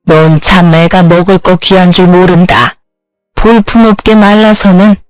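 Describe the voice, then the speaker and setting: A woman's voice: on the low side, little pitch movement, measured pace, no room sound, faint music behind, lightly acted. A woman voicing a bossy, scheming middle-aged mother-in-law in a story, talking down with sarcasm in a dry, close recording. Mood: scornful. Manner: sarcastic, scolding, belittling.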